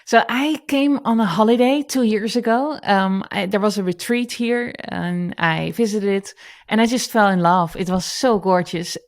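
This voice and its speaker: A woman in her thirties with a strong Dutch accent, talking casually as an interview guest over a video call, chatty and often restarting her sentences. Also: mid-range voice. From Netherlands. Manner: chatty, self-correcting, laughs easily. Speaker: guest entrepreneur.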